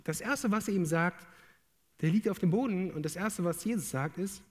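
A man's voice: high voice, normal speed. A young man, a theology student, preaching a casual, humorous sermon to an audience in a large room. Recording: long hall reverb.

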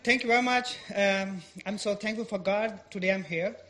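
A woman's voice: medium pitch, normal speed, fairly bright tone. A woman in her twenties from Pakistan with a Pakistani accent, giving a church testimony in simple, broken English full of fillers. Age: 20s. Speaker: guest speaker giving testimony.

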